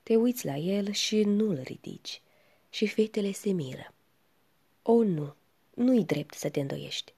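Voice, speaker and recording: Woman reading poems real slow and hushed, breathy husky voice, kinda mellow. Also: medium pitch, lively intonation. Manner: slow, hushed, often sinking to a whisper. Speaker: reader. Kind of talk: poetry recitation.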